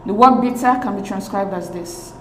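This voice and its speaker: A woman's voice: medium pitch, normal speed, slight background noise. Woman teaching an exam lesson in an echoey room. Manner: steady, explanatory, reads questions aloud then walks through options. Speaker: teacher and channel host.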